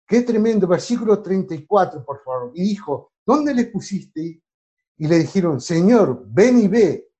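A male preacher delivers a sermon in a mellow, somewhat high voice that swings widely in pitch. He reads scripture aloud, calls out verse numbers to the congregation, and stresses points with emphatic exclamations. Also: big pitch swings, measured pace. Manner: emphatic, exclaiming, asks listeners to read verses. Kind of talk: sermon with Bible reading.

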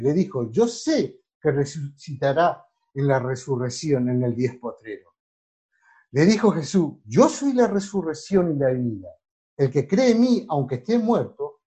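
A man's voice: a little high, dark tone. A man preaching a sermon, reading Bible verses aloud and breaking in with emphatic exclamations. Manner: emphatic, exclaiming, asks listeners to read verses.

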